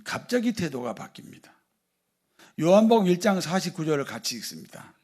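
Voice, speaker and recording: A male pastor giving a sermon, often putting rhetorical questions to the congregation and moving between loud emphasis and quiet asides. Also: fairly high pitch, sing-song, fairly quick.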